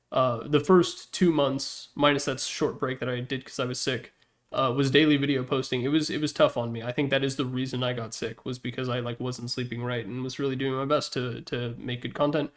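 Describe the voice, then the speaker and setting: A man hosting a gaming video with casual, unscripted tier-list commentary, rambling along in a jokey, self-deprecating way. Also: mid-range voice.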